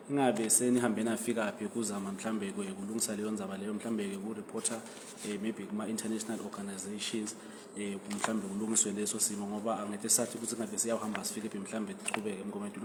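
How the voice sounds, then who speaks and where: A man's voice: fairly low pitch, noisy background. A man with a Swazi accent asking interview questions in tentative, hesitant phrasing.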